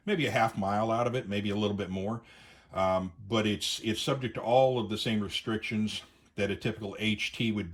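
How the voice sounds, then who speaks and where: Low-pitched man giving a casual gear demo. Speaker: host of a radio gear review video. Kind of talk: casual product demonstration.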